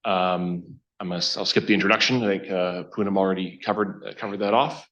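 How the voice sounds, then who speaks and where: A man with a very low voice presents to a meeting as a project consultant. He talks conversationally and haltingly, often doubling back on his phrases. The sound is slightly muffled, as from a meeting room microphone. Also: fairly even intonation, fairly bright tone. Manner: halting, conversational, self-interrupting. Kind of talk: informal presentation to a council. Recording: dull, band-limited meeting room microphone.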